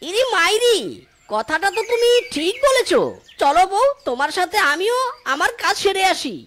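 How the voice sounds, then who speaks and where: A woman voicing a squealing excitable cartoon fox. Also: extremely high pitch, moderate pace, slight background noise. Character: excitable male fox, husband.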